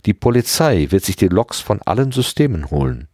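A level-headed, matter-of-fact young man from an audiobook, as a male reader voices him. The voice stays close to the reader's own low tone. The recording is dry and close. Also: sing-song, a little fast, darkish tone, no echo. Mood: calm.

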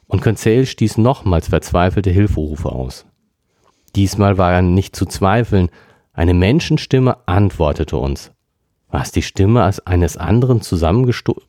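A man reading a classic novel aloud as a podcast narrator, in a steady storytelling manner. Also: deep voice, dry recording, studio quality. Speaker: podcast reader. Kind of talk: audiobook reading.

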